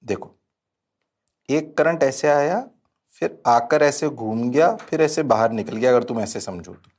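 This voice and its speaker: A man teaching physics in an animated, playful exam-prep lecture, who teases his students and answers for them in a low mumble. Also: measured pace. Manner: playful, teasing, sings out exclamations; mimics students' replies in a low voice.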